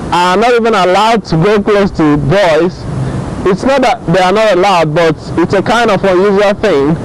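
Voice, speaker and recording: A man's voice: high-pitched, slight background noise, low-quality recording. A man with a Nigerian accent giving casual vlog commentary, often repeating and rephrasing his points. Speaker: YouTube host.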